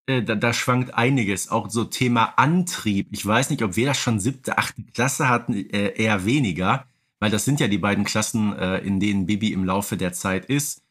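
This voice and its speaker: A man's voice: fairly low pitch, normal speed, fairly bright tone, breathy edge. A man talking in an explanatory, conversational way as co-host of a casual podcast, often adding tag questions.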